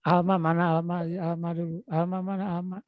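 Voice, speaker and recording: A male lecturer with a Sundanese-influenced Indonesian accent teaches an online class, coaxing his students and calling out to them again and again. His high voice is flat and a little fast. The recording is dry, with dull, lo-fi audio from a video call.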